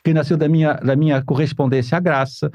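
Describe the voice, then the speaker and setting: Man from Portugal, earnest podcast guest, fairly high pitch, dry close sound. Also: fairly even intonation, fast talker, darkish tone, no room sound. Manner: earnest, explanatory, repeats points for emphasis. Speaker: guest speaker on Catholic parenting. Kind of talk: podcast conversation.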